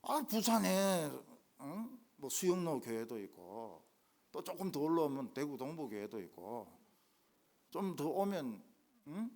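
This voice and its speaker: An older man preaching a revival sermon as a guest pastor, jumping from loud exclamations to hushed asides. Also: a little high, gravelly. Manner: animated, swinging from loud exclamations to quiet asides. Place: church main sanctuary.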